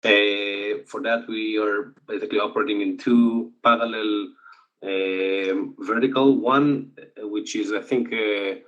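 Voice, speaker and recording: A man with an Israeli accent giving a conference presentation remotely, speaking haltingly with many filler sounds. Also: on the low side, fairly even intonation, fairly bright tone. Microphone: video call. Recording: dull lo-fi video call audio.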